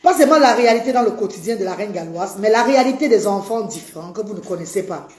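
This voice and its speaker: A woman's voice: mid-range voice, expressive, fast, roomy sound, a crowd in the background. A woman, an autism advocate talking on a live stream, effusively greeting viewers and pleading for shares.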